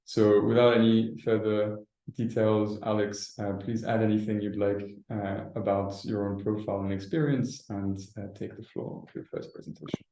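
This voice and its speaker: A man's voice: on the low side, flat delivery, moderate pace, hardly any pauses, mellow. A man moderating an online session, introducing speakers hesitantly with many fillers over a video call. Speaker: webinar moderator. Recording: echoey room on a video call.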